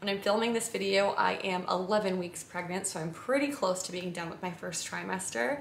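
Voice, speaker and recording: A woman talks at a fairly quick pace with hardly any pauses, her pitch medium and its variation ordinary. Noticeable background noise runs behind her. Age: 30s. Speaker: lifestyle and family vlogger. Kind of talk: casual vlog talk to camera. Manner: fast.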